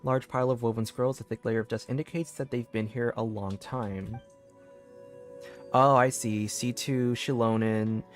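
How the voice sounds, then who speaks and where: A man's voice: mid-range voice, steady tone, normal speed. A man casually commentating on a live game stream and reading bits of on-screen text aloud. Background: game music.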